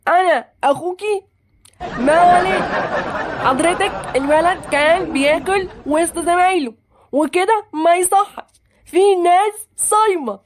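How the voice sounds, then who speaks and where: A woman's voice: extremely high pitch, measured pace, a crowd in the background, noisy background. A woman voicing a stern, old-fashioned male schoolteacher who speaks with an Egyptian accent and a blustering, strict manner in a cartoon. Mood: defensive. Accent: Egyptian Arabic.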